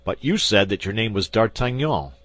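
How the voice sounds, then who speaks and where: A man's voice: lowish voice, expressive, moderate pace, fairly bright tone, no echo, voice pushed up. A man playing a stern interrogating commissary. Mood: exasperated. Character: stern, pompous male police commissary.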